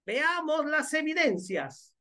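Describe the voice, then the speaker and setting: A man's voice: extremely high pitch, very animated, slow pace, bright, forceful tone. A man giving mocking, sarcastic commentary as he reads out viewer comments. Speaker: religion critic commentator.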